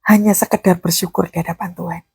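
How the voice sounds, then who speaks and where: Gravelly-voiced woman preaching a sermon. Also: fairly low pitch, steady tone, fast talker, a little mellow, no echo. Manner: conversational, folksy, shifts between teaching and fervent prayer. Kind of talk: sermon with prayer.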